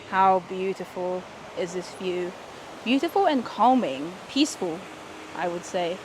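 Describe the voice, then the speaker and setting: A young woman chatting casually in a late-night vlog, tired and a little hoarse, talking to a handheld camera, first outdoors by fountains and then in a hotel room. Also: medium pitch, background noise. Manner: chatty, warm and a little tired, with soft laughs. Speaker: vlogger.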